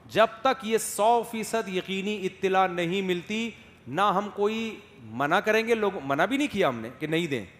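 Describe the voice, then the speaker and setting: A male Islamic scholar giving a religious lecture, moving between loud emphatic points and soft acted asides, often asking listeners if they follow. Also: high voice, expressive. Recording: echoey hall with long reverb and faint noise.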